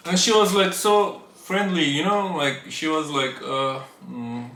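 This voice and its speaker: A man in his twenties from eastern Turkey with a Turkish accent, speaking halting, teasing English as co-host of a couple Q&A. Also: on the high side, fairly even intonation, bright, forceful tone. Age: 20s. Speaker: co-host, boyfriend. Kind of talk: casual couple Q&A chat. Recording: echoey room with faint noise.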